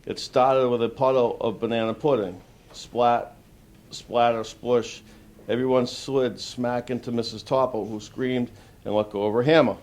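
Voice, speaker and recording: A man's voice: medium pitch, fairly even intonation, unhurried, a little mellow. A man who is a police officer, reading a picture book aloud to children. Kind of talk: children's storybook read-aloud.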